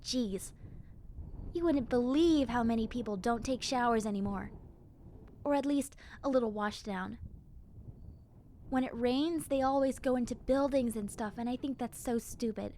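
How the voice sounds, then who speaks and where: A woman plays a friendly young zombie girl with a highish, girlish voice. She chats casually and directly to the listener, like a lonely survivor glad of company in an audio roleplay. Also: moderate pace, long pauses, warm tone, a little hiss or hum, close to an everyday voice. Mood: cheerful, fussy. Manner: casual, chatty, conversational, girlish.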